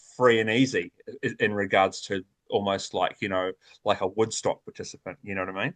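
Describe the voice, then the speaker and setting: This man has a fairly low pitch and a New Zealand accent. His intonation is fairly even, and the sound is dry and close with no echo. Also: fairly quick pace. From New Zealand, lower North Island. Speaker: life coach. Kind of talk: podcast interview. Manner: hesitant, many fillers and repetitions.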